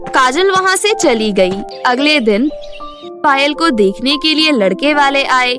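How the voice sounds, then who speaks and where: High-pitched woman narrating a story. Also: lively intonation, a little slow. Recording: music behind the voice.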